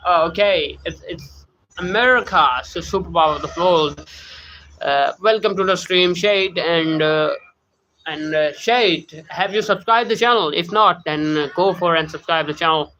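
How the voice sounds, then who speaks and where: A man with a South Asian English accent, hosting a casual live stream, halting with many fillers while he greets viewers by name. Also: fairly high pitch, bright, forceful tone, lo-fi sound, a little hiss or hum. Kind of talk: casual live-stream talk, reading chat. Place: home room.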